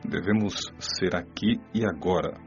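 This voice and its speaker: A patient, wise male spirit, played by a man, explains things in a very deep, measured voice. He sounds steady and teacherly. Soft music plays under slightly dull audio. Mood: calm. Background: soft background music.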